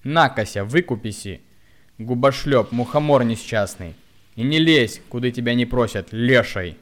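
A man's voice: mid-range voice, moderate pace, voice pushed up, natural voice. Man doing a screeching foul-mouthed old woman. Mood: screeching abuse. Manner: shrieking, coarse and brazen. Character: shabby quarrelsome old woman in a bread queue, screeching.

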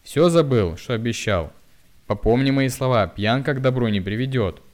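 A man performs the part of a weary middle-aged village woman, scolding and pleading with her drunk husband in rustic speech. He raises his natural, mid-range voice above its usual pitch, with lively intonation, normal speed, and a slightly mellow tone.

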